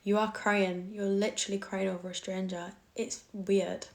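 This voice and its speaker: A woman's voice: medium pitch, little pitch movement, normal speed, darkish tone. A young woman with a Cumbrian accent, chatting casually on a phone live stream, reading out comments and bluntly brushing off trolls. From Cumbria, England. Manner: blunt, dismissive toward trolls, laughs easily.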